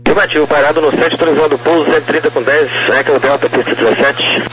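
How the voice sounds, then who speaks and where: A man's voice: fairly high pitch, fast, fairly bright tone. Male air traffic controller on crackly radio. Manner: clipped procedural instructions. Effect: crackly radio transmission. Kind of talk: aviation radio phraseology. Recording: crackly, noisy aviation radio.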